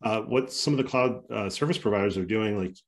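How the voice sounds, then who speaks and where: A man with a fairly low voice speaks as a panelist on a video call. He sounds earnest and keeps his points tied to practical examples. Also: brisk. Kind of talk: webinar panel discussion.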